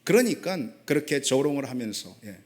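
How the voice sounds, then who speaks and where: A man's voice: mid-range voice, sing-song, a little fast. A man preaching an emphatic sermon, asking rhetorical questions and dropping short affirming asides. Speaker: pastor.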